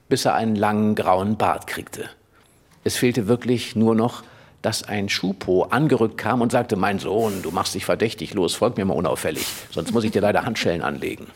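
Husky man reading fiction aloud. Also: medium pitch. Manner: lively character voices. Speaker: reader and guest. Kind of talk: literary reading.

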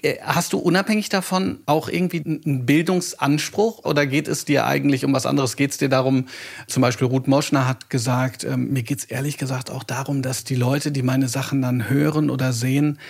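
A man's voice: medium pitch, steady tone, brisk, vocal fry, husky. A man in his thirties, a teacher hosting a podcast, who talks in a rambling, enthusiastic way with many fillers. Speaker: podcast host, German teacher. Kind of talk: casual interview talk.

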